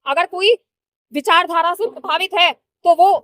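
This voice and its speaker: A woman's voice: extremely high pitch, unhurried, fairly bright tone, dry recording. A woman in her thirties, a party worker answering interview questions in an earnest, persuasive way. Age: 30s.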